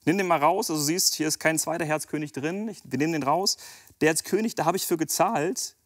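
A man's voice: fairly high pitch, fast talker. A man who works as a magician, chatting casually on a TV show and explaining a card trick step by step with self-deprecating humor. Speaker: magician guest.

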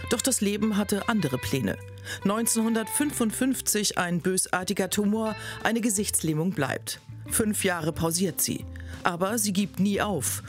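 A woman reading a scripted news report in a measured, even way. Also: medium pitch.

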